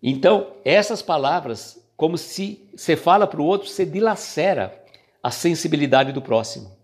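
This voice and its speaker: A man with a Brazilian Portuguese accent who reads passages from a spiritual book slowly, then explains them in a casual chatty way. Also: a little high, lively intonation, darkish tone, slightly rough. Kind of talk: casual reflective reading and commentary.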